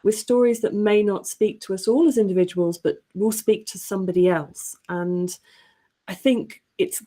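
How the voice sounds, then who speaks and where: A woman's voice: mid-range voice, normal speed, warm tone. A woman speaking earnestly and appreciatively in an unscripted panel discussion. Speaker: panelist, editor of story anthology show. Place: remote online panel call.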